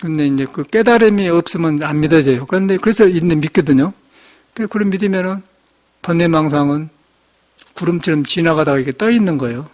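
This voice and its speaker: A man's voice: fairly high pitch, fast talker, darkish tone. An older man with a slight Jeolla accent giving a Buddhist sermon in a folksy, storytelling way. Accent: slight Jeolla Korean. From Jeolla region, Korea. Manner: folksy storytelling, chuckles, acts out quoted speech. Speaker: Buddhist monk giving a dharma talk.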